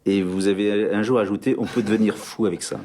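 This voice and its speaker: A man who conducts a formal face-to-face interview, asking measured, polite questions. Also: on the low side, fairly even intonation, dark tone.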